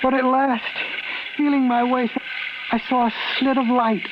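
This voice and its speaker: A man's voice: very high-pitched, flat delivery, unhurried. An actor playing a timid, polite young male tourist who is lost, with a stammering, hesitant way of talking. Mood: anxious. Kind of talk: 1950s radio drama acting. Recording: hissy lo-fi 1950s radio broadcast.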